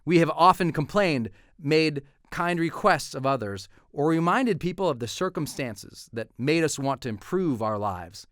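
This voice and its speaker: A man's voice: on the high side, expressive, moderate pace, hardly any pauses, a bit bright, no room sound, clean studio sound. A man reading a scripted motivational manifesto in an earnest, declamatory way. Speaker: narrator.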